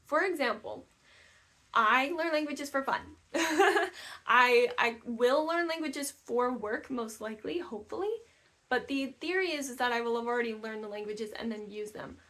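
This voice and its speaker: Young woman, higher-pitched voice, chatty language-learning vlogger at home. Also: moderate pace, pushed and bright. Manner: chatty, with many fillers and restarts. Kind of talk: casual talk to camera. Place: new house, room not yet decorated.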